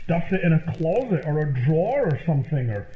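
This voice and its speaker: An actor playing a goofy, eager, dim-witted sidekick in an old-time radio comedy, earnest and silly. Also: male voice, on the high side, very animated, brisk. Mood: sly, bumbling. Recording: noisy, tinny, echoey radio-style sound.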